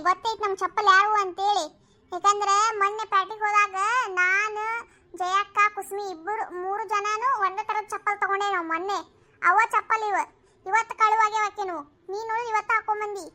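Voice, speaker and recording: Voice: very high-pitched, bright, forceful tone. A voice actor playing a firm village woman in a cartoon comedy who presses a neighbour with questions, speaking with a North Karnataka accent. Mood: pressing. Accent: North Karnataka Kannada.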